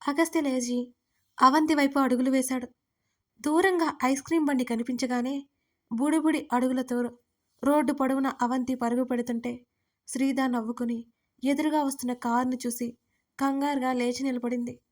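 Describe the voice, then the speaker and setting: A woman's voice: high-pitched, fairly even intonation, moderate pace, long pauses, darkish tone. A woman narrating a dramatic audio story, reading the characters' lines in her own voice. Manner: reads all characters' lines with little change of voice.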